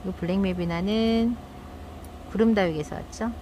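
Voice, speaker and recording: A woman's voice: medium pitch, moderate pace, warm tone, a little hiss or hum. A middle-aged woman hosting a succulent channel, chatting casually while tending her plants and acting out quoted thoughts.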